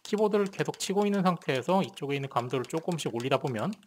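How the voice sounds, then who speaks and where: A man with a slightly raised voice talks through a software setup one calm step at a time, as in a screen-recorded tech tutorial. He speaks into a gaming headset mic, and faint background music plays underneath. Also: a little high, fast. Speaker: tech reviewer.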